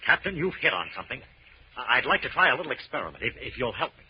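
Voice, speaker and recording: A man playing a brisk, inquisitive detective hero in an old radio drama. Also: medium pitch, close to an everyday voice. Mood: keen, inquisitive. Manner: brisk, purposeful, animated. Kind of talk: 1940s radio drama acting. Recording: muffled old radio recording, faint noise.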